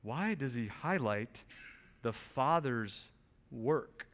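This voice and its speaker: A man preaching a sermon, asking rhetorical questions and swinging between quiet, low stretches and loud, emphatic bursts. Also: animated, takes it slowly. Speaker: pastor. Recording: long reverb of a large hall.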